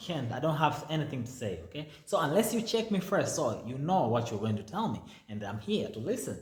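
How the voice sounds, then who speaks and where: At a fairly quick pace, the somewhat breathy voice makes very wide pitch swings, with audible room echo. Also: man. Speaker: vlogger telling personal story. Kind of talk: storytime monologue. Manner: soft-spoken; halting, repeats words.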